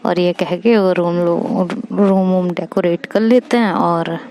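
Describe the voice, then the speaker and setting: A woman narrating a story in a chatty, conversational way with quick asides. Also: fairly low pitch, fairly even intonation, mellow. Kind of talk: casual spoken storytelling.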